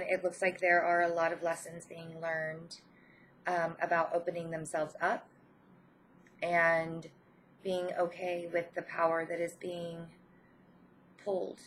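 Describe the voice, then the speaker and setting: Casting: woman, lowish voice with a head cold, gentle encouraging online tarot reader, hesitant phrasing, slight background noise. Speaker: spiritual tarot reader and channel host. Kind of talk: informal spiritual card reading to viewers.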